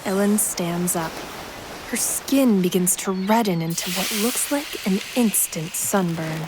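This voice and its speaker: A woman's voice: medium pitch, a little slow, background noise. A woman delivering scripted narration of an action story in an audio fiction podcast. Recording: loud music behind the voice.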